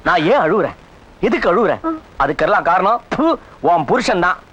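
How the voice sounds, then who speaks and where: An actor playing a boastful comic village moneylender and doting brother in a film comedy, talking in a theatrical, bragging way. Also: male voice, sits high, very animated, brisk, heavy background noise. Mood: complaining. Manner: theatrical, bragging, breaks into off-key song.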